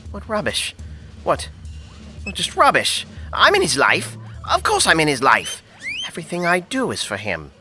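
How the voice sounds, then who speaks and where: A man playing a fussy, self-righteous, officious man in an audio drama, pedantic and halting, repeating his words. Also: a little high, wildly swooping pitch, bright, forceful tone, faint music behind, full character voice. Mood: indignant.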